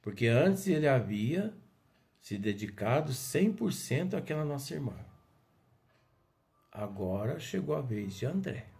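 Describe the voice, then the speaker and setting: Animated man reading and explaining. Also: medium pitch, measured pace, creaky. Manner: animated, playfully acts out the characters' exchanges. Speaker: study group leader. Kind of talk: reading aloud and explaining a spiritist book.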